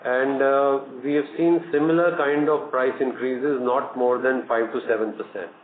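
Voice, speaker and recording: Echoey phone-line Indian man, halting executive. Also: mid-range voice, steady tone. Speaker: company executive. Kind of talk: answering questions on an earnings call. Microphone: conference phone call. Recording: echoey tinny conference phone line, noisy.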